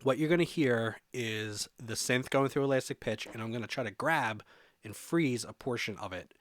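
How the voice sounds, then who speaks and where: A man giving a casual software walkthrough as a music production tutorial presenter, thinking aloud informally as he demonstrates. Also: medium pitch, normal speed, dry recording.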